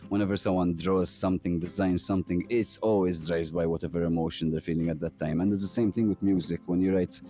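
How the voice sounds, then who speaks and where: A young man with a low, deep voice talks in a loose, rambling way, restarting his sentences as he laughs along. He's an interview guest discussing things casually. Faint music plays quietly underneath. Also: fairly even intonation, fast, few pauses. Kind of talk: casual chat.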